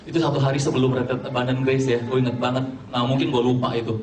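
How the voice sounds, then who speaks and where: Young preacher, chatty and joking, mixes in English; roomy hall sound, faint background noise. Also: male voice, mid-range voice, little pitch movement, fast talker, a little mellow. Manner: chatty Jakarta slang mixed with English, joking with the audience. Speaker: youth preacher. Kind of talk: casual sermon. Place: church hall. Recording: echoey hall, distant mic, faint ambience.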